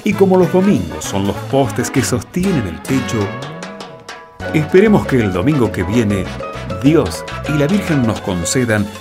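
A man narrates a scripted radio show. His pitch moves around a lot, and music plays clearly underneath. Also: sing-song, a little slow. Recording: clear music bed behind the voice.

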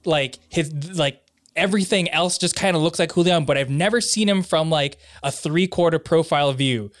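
A man's voice: a little high, moderate pace, no room sound. A man in his late twenties chatting casually and telling joking anecdotes among friends.

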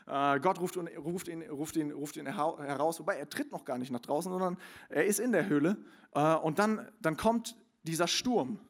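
A young man preaching a sermon, sliding from soft confiding asides into loud emphatic calls, with many fillers and restarts. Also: a little high, normal speed. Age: young adult. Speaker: pastor.

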